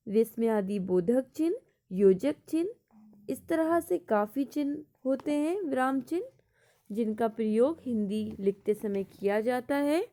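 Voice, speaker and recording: A woman in a teaching role works through exam-prep questions at an unhurried pace. Her voice sits a little on the high side. She reads each question aloud before explaining it, dropping English words into her Hindi. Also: dark tone.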